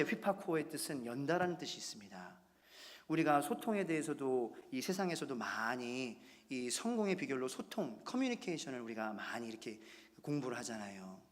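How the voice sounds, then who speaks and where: A man in his thirties, a pastor, preaching a Sunday sermon and acting out little quotes. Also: a little high. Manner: animated preaching with acted-out quotes. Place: church sanctuary. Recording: long church hall reverb.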